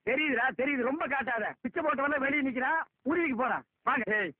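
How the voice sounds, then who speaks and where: அ திட்டிக் கேலி செய்யும் உயர் குரல் ஆண், பழைய டப்பா ஒலிப்பதிவு. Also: male voice, very high voice, fast talker. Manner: scolding, mocking insults. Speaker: comic film actor. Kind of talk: film comedy scene. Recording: tinny lo-fi film audio.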